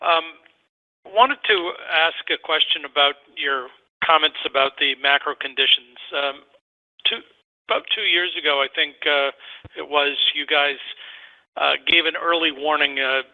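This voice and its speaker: A man speaking as a financial analyst, asking an unscripted question in short, halting phrases. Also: on the high side. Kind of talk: unscripted earnings call question. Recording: phone-like conference call line.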